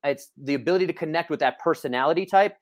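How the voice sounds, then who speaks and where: A man's voice: a little high, fast talker. A man, a personal trainer, chatting energetically on an online call, with many restarts. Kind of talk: casual podcast chat.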